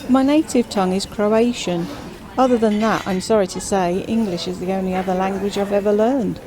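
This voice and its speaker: A woman's voice: mid-range voice, fairly even intonation, a little fast, crowd noise, natural voice, rough recording. Woman doing an earnest, polite young waitress.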